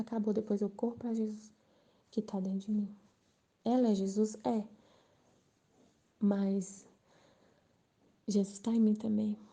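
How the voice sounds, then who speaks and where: A woman sharing an earnest, emotional spiritual testimony, sometimes dropping to a soft near-whisper. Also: mid-range voice, breathy edge. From Brazil. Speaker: Catholic channel presenter.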